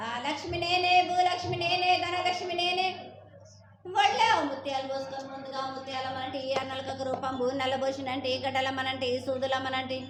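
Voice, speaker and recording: A woman's voice: sits high, fairly bright tone, a little hiss or hum. A woman delivering a ritual prophecy as an oracle, declaiming in short incantatory phrases in a prophetic trance voice. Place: echoing temple festival ceremony. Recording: echoey sound with music behind.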